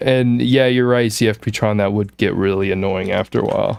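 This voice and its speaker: Very clean audio of a male speaker against total background silence. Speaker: music producer reviewing listener tracks. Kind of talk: live stream track feedback. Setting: live stream. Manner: slow; casual, profane.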